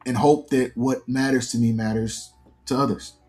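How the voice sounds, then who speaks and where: A man's voice: mid-range voice, steady tone, moderate pace, a little mellow, soft background music. A man in his early forties giving earnest, reflective, detailed answers as a guest in a conversational interview. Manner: earnest, reflective, explains at length. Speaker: interview guest, fiction podcast creator.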